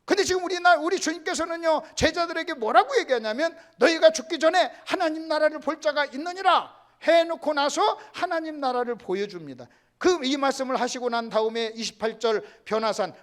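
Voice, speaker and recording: A male pastor preaching a sermon lecture, emphatic, keeps calling out to the congregation, and sometimes drops to a hushed whisper. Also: very high-pitched.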